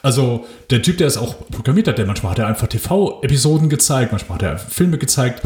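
A man's voice: medium pitch, very animated, fairly quick, a little mellow. Rambling man, roomy echo. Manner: rambling, many fillers and restarts. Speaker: podcast co-host. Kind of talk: casual film podcast chat.

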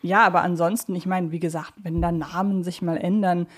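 A woman's voice: on the low side, steady tone, a little fast. Chatty woman. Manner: chatty, explanatory with digressions. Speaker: podcast co-host. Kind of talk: casual fan discussion.

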